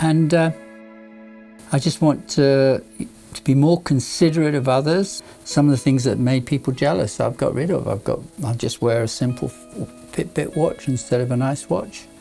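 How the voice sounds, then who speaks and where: With music in the background, a man speaks at a fairly high pitch, taking long, frequent pauses. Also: ordinary pitch variation, moderate pace. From northern England, Lake District. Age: 70s. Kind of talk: personal life story monologue. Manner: hesitant, many fillers.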